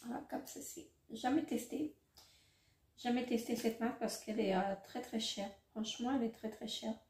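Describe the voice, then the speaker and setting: A middle-aged woman vlogger unboxes beauty products casually and hesitantly, with many fillers and self-corrections. Her voice is a little high and slightly mellow, at a moderate pace. The room is echoey, with faint noise.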